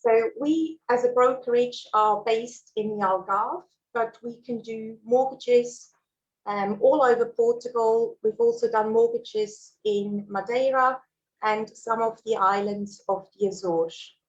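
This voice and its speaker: Speaking over a video call microphone, this Swiss presenter, a native German speaker, walks through a mortgage webinar warmly, using fillers and soft laughs. She talks at an unhurried pace in a slightly high voice, and the sound is lo-fi.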